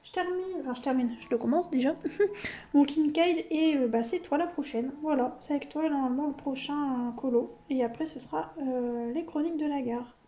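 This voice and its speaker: A woman with a high, mellow voice talks through her hobby notebooks in a loose, chatty flow. She keeps losing her thread and cutting herself off. The recording sounds slightly dull. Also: normal speed. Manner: rambling and self-interrupting, laughs at herself. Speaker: vlogger. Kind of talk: casual chatty vlog talk.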